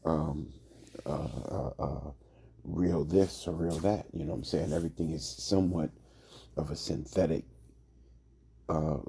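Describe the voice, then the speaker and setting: A man giving an informal religious lesson, hoarse from a cold, talking in a drawl with many fillers. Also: rumbling low, dark tone. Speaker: religious teacher.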